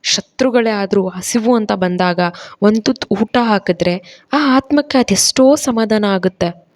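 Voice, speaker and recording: A woman's voice: mid-range voice, a little slow, natural voice. A stern, righteous young husband from an audio story, voiced by a woman narrator in her own voice. He speaks in a reproachful, lecturing tone.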